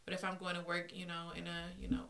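A woman's voice: on the low side, monotone, fast talker, fairly bright tone. A woman with an African American accent talking casually in a group discussion as a podcast co-host.

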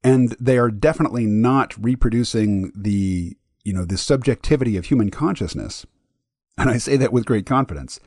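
A man's voice: mid-range voice, normal speed, a little mellow, dry recording, studio quality. A man hosting his own podcast, talking through his ideas in a thoughtful, explanatory solo monologue. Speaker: podcast host.

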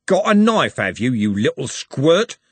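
A man's voice: mid-range voice, big pitch swings, measured pace, slightly rough, dry recording. A man voicing an aggressive young male brawler who talks in a coarse, snarling way.

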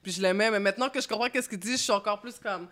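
A young woman with a Québécois French accent, a rap artist chatting in an interview, lively and slangy, dropping English words into her French. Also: medium pitch, rapid-fire. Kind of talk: casual interview chat.

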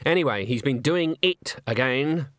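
A man's voice: mid-range voice, expressive, unhurried, a bit bright, no echo, studio quality. A man voicing a stern, stubborn elderly witch in a storybook, curt and disapproving, with rustic turns of phrase.

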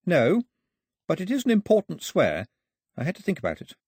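A man's voice: high voice, wildly swooping pitch, fairly quick, darkish tone, slightly rough, dry recording, studio quality, pitched above the performer's own voice, heavily acted. A man voicing a brave, well-spoken young girl in a storybook, polite and precise. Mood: composed, polite.

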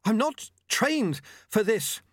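A man's voice: high-pitched, big pitch swings, takes it slowly, dry recording, studio quality, voice pushed up, exaggerated voice. A man voicing an anxious, earnest young apprentice monk in an audiobook, with a strained, protesting manner. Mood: panicked, straining.

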